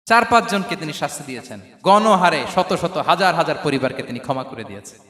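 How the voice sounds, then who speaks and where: A man preaching a sermon, emphatic, swinging from hushed tones to shouts and quizzing his listeners. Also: fairly high pitch, expressive, fast talker. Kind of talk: sermon to a crowd. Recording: echoey PA sound in a big venue.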